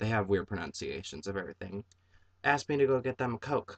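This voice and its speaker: A man's voice with ordinary pitch variation. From Chicago suburbs, Illinois. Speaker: vlogger. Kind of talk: casual rant. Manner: hesitant, many fillers.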